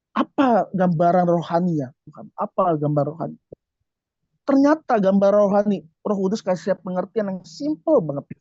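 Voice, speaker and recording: A man giving a preaching testimony to a congregation, telling his story in an animated way and asking the listeners rhetorical questions. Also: sits high, dry recording. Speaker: church office worker giving a testimony. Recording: dull, dry lo-fi recording.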